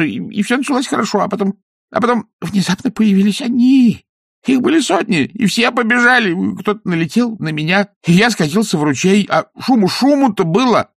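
A man's voice: high-pitched, creaky, breathy edge, dry recording, clean studio sound, pitched above the performer's own voice, heavily acted. A man voicing a frightened village weaver who stammers and pleads in a storybook.

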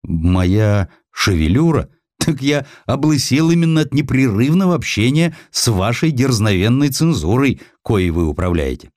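A man's voice: medium pitch, lively intonation, normal speed, a little mellow, dry recording, studio quality, voice pushed up, lightly acted. A man voicing a shrewd, combative editor in an audiobook, with an emphatic, forthright manner. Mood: spirited, ironic. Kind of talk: audiobook character acting.

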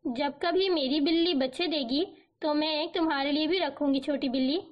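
A woman narrator voicing a kind young woman speaking gently to a child. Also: high-pitched, steady tone, close to an everyday voice. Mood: gentle. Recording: dull lo-fi recording.

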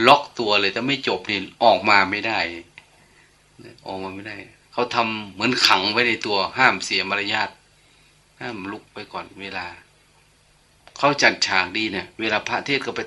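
An older man, a monk giving a dharma talk, speaks in a lowish voice with a sharp tone. His sermon is informal and chatty, full of anecdotes and light humor.

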